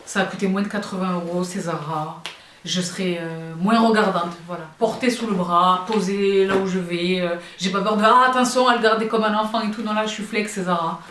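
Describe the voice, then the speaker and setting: A woman's voice: medium pitch, brisk, slight background noise. Chatty French woman in a roomy room. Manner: chatty and expressive, addresses viewers as girls. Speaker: fashion vlogger. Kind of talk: casual haul chat to viewers. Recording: roomy, a bit far from the mic.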